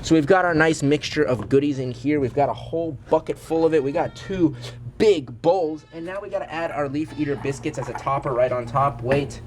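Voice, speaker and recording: A man's voice: a little high, fairly quick, faint music behind. A congested young man vlogging energetically outdoors at an animal food station, often calling viewers "guys". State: congested from a cold. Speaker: zoo owner and vlogger. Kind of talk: enthusiastic vlog presenting. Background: birds screaming and monkeys.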